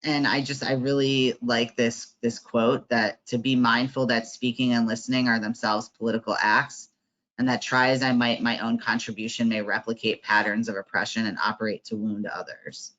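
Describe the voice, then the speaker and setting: A man's voice: mid-range voice, level tone, moderate pace, a bit bright, muffled recording. A man facilitating an online workshop, talking conversationally with lots of fillers and tag questions.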